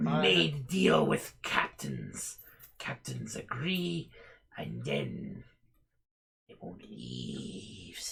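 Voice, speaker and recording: Putting on a character voice, a man speaks very slowly in a raspy, very deep, low register. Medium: actual play. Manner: broken grammar, halting repetition.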